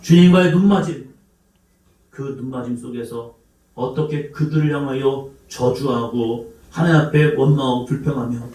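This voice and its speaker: A man's voice: medium pitch, normal speed, dark tone. A male pastor preaching a sermon, who quizzes the congregation and acts out cries and sighs in the voices he quotes. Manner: asks the congregation questions. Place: church sanctuary. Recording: echoey church hall, mic some distance off.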